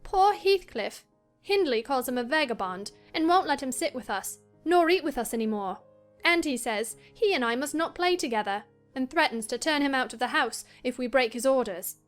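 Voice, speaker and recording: A woman reading the part of a headstrong young girl recounting her diary with lively indignation. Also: high-pitched, normal speed, faint music behind. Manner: lively, indignant first-person storytelling. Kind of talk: dramatized audiobook reading.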